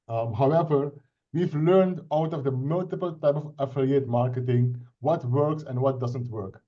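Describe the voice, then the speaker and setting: Middle-aged Dutch-accented man, native Dutch speaker, earnest explainer on a video call; mellow tone, dull lo-fi audio. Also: medium pitch. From Suriname. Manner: earnest, explanatory, with frequent restarts and "right?" checks. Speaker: IT consultant presenting a crypto project. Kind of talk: casual self-introduction and explanation on a video call.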